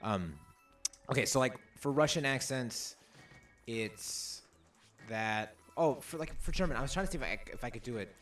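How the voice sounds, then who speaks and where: A man's voice: medium pitch, animated, normal speed, a bit bright, soft background music. Rambling man chatting over gameplay. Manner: rambling, stop-start, lots of fillers. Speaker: co-host of a gaming let's play. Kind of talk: casual chat while playing a video game.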